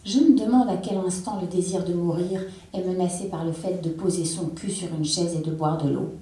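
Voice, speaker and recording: A woman giving an intense, measured literary reading on a theatre stage. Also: fairly low pitch, steady tone, mellow. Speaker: reader. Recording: echoey hall, distant mic.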